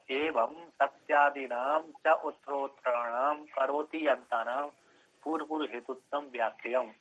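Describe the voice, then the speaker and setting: A man's voice: mid-range voice, fairly bright tone. A man giving a scripture lecture, explaining step by step, repeating phrases and checking that listeners follow. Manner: repeats phrases, checks understanding with short questions. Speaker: scripture teacher. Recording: dull lo-fi recording.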